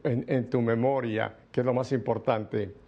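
A man's voice: medium pitch, steady tone, measured pace, muffled recording. Man hosting a faith interview. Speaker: interview host.

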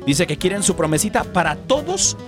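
A man's voice: sits high, very animated, normal speed, over music. A man hosting a faith radio show, telling jokes playfully and addressing listeners like a preacher. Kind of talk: joking casual radio chat.

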